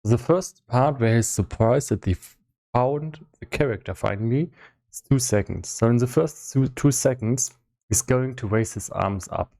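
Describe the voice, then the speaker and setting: A man giving casual live-stream commentary as he works on a game, thinking aloud in a halting way with repeated words. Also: mid-range voice, vocal fry, dark tone. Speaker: solo game developer streaming.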